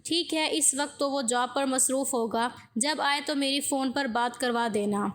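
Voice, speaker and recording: A woman reading a calm, easygoing older brother. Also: high-pitched. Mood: reassuring. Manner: calm, reassuring replies.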